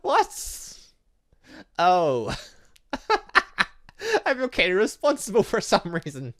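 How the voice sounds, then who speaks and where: Doing let's play commentary, this gaming host speaks extremely slowly with very animated pitch. He rambles excitably, switching between reading game text and loose, exclamatory asides.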